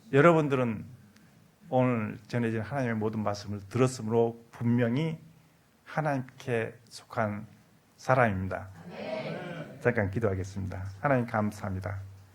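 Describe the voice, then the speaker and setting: With audible room echo around him, a man speaks with ordinary pitch variation and long, frequent pauses. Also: medium pitch for a man, moderate pace. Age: 60s. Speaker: missionary preacher. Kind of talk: sermon.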